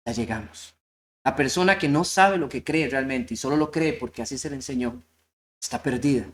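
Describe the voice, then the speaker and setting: A man preaching a sermon, telling a story earnestly and slowing down on key points. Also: fairly high pitch, fairly bright tone. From Costa Rica. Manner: storytelling, earnest, slows down for emphasis.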